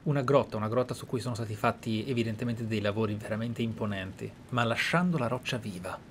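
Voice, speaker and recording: A man's voice: lowish voice, fast. A man with an Italian accent giving casual, musing, enthusiastic gameplay commentary as the host. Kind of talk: casual let's play commentary. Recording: clear background game ambience noise. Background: game ambience.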